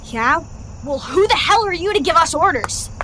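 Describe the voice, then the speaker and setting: A mouthy young hipster in an audio drama. Her high, sharp voice jumps around defiantly, with faint night noise behind. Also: animated, normal speed, heavily acted. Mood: defiant, irritated. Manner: confrontational, mouthy.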